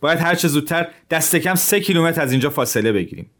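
A man's voice: fairly high pitch, animated, pitched above the performer's own voice. A man voicing a brave, resolute young officer who talks in an urgent, commanding way. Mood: determined. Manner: urgent, commanding, loud in tense moments.

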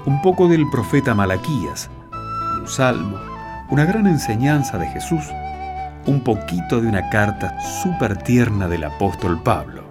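A man's voice: medium pitch, big pitch swings, unhurried. A man with an Argentine accent narrating a scripted religious radio programme as its host. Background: loud music.

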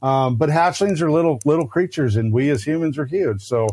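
A man chatting as a podcast guest, telling stories with quick acted-out voices for the people he describes. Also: a little high, dry recording. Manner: lively storyteller who acts out snakes and customers in quick voices. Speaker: guest snake breeder. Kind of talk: casual podcast chat.

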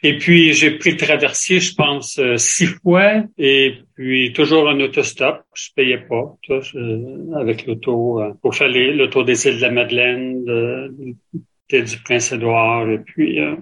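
A man's voice: mid-range voice, measured pace, a bit bright. An older man, chatting as an interview guest, rambling with many hesitations and restarts. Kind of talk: casual interview chat.

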